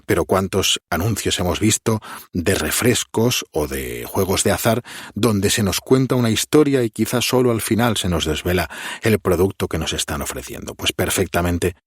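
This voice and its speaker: A man who is a guest on a podcast, answering interview questions in a calm, deliberate and reflective way. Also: deep voice, husky, no echo, studio quality. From Spain.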